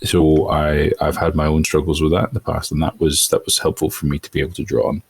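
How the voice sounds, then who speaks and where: A voice actor from Europe in a casual interview, talking thoughtfully with many restarts. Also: male voice, extremely low pitch, flat delivery, fast, gravelly, slight background noise. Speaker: voice actor guest.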